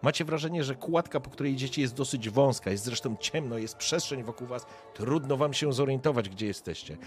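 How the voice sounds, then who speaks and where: A man's voice: mid-range voice, fairly quick, faint music behind. A man running a tabletop game as game master, describing scenes directly to the players with frequent hesitations.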